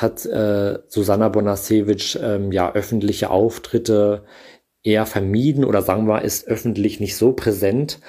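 A man's voice: fairly low pitch, dark tone. A man in his early thirties speaking as a fan in a voice message to a podcast.

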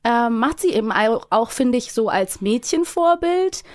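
A woman's voice: on the high side, expressive, a little slow, darkish tone, no echo, studio quality. A woman chatting casually and emphatically as a guest on a podcast.

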